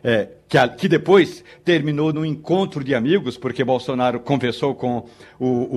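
A man with a Brazilian accent giving political commentary as a radio panelist, emphatically restating his points. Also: on the high side.

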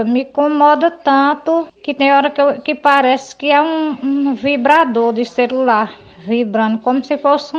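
Woman with Sertão accent, high voice, hesitant, muffled voice-message audio. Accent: Sertão Pernambuco. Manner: halting, hesitant. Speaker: listener sending a voice message. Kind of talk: recorded voice message.

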